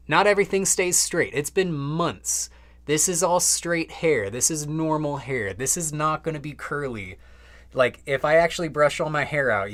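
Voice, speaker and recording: A man's voice: fairly high pitch, a bit bright. A young man casually chatting on a live stream from home, loose and slangy with lots of fillers. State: slightly out of breath.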